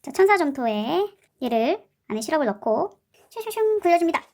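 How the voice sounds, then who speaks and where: Chatting playfully through a casual craft tutorial, this slime and clay channel host tosses in cute sound words while she works. She speaks briskly in a high, sing-song voice with a darkish tone.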